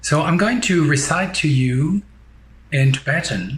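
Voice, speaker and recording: Fairly high-pitched for a man, he speaks at a very slow pace with lively intonation and a strong French accent. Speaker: Buddhist teacher. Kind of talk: dharma teaching. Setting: virtual meeting. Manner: halting, many fillers.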